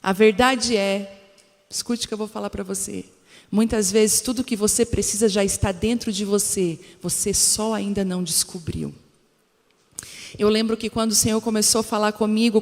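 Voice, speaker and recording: A woman from Brazil preaching a sermon as a pastor, speaking directly to the congregation and weaving in personal stories. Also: on the high side. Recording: long hall reverb with faint music.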